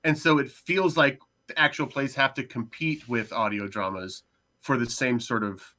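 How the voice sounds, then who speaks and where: A man with a bright, forward voice of middling pitch talks casually as a podcast panelist. He circles his point, hedging and repeating words as he goes. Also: steady tone, normal speed. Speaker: panelist on a podcast discussion show.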